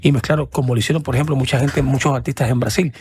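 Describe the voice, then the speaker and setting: A Cuban man, a musician guest, talking casually in an interview, halting and repeating words as he searches for them. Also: mid-range voice, fairly even intonation, darkish tone, a little hiss or hum. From Cuba.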